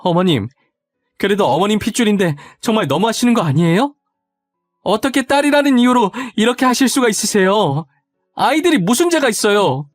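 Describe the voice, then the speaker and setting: A man's voice: sits high, sing-song, brisk, no room sound, soft background music, voice pushed up. Desperate young wife, pleading, raised voice, dry sound, played by a man. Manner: pleading, insistent, rambling.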